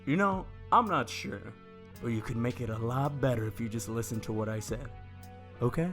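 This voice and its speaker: Man playing a stern newspaper boss, sharp forceful voice. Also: medium pitch, moderate pace, soft background music, lightly acted. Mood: stern, insistent. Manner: curt, commanding. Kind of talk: audio drama acting.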